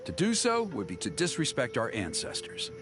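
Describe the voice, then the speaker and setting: An earnest tribal mentor. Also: male voice, medium pitch, huge pitch swings, normal speed. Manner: earnest, instructive, patient. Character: tribal man, earnest mentor and guide of rituals. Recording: game audio with music.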